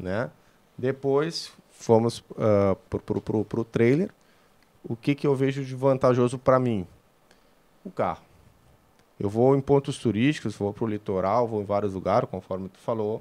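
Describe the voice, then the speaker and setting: A man's medium-pitched voice with a dark, mellow tone, ordinary pitch variation, a fairly slow pace and long, frequent pauses. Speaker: podcast host and motorhome company director; podcast host. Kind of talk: casual panel discussion. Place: studio. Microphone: studio mic.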